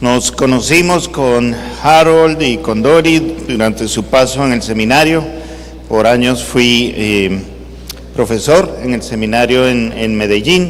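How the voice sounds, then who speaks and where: A man speaks at a very slow pace with ordinary pitch variation, over noticeable background noise and audible room echo. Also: medium pitch for a man. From Peru, Lima. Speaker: guest preacher. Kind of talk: sermon. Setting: church.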